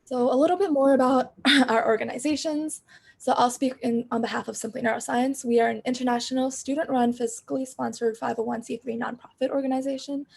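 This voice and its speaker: A young woman hosting an online event opening, upbeat and welcoming, with a naturally quiet voice over a video call. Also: sits high, steady tone, a little fast, gravelly, slightly rough. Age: young adult. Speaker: host and organizer.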